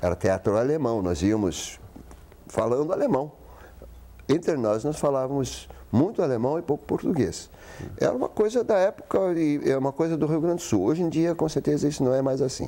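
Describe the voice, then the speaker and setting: A man speaks at a moderate pace in a dark, mellow tone, his fairly high pitch making very wide swings. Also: very even loudness. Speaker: Lutheran pastor, professor and musician. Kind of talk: interview.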